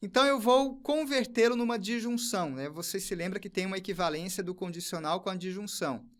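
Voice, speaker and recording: A man teaching an online lesson, working through each step methodically and repeating key phrases slowly. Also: sits high. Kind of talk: recorded online lesson, explaining on screen.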